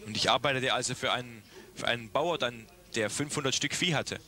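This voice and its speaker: A man interprets a sermon line by line, catching each phrase as it comes. His voice is bright and clear at a middle pitch. He often restarts a phrase as he goes. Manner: translating in quick bursts, with restarts.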